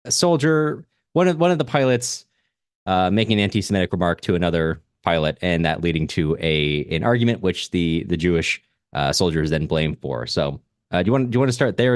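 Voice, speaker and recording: A man's voice: low voice, no room sound, clean studio sound. A man co-hosting a book podcast, talking casually in an informal, rambling way. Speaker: podcast co-host. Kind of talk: casual literary discussion.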